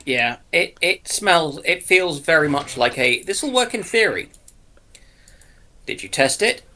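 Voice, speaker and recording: Bright, very animated man bantering. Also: on the high side, a little slow. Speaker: co-panellist on a livestream. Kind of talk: casual banter.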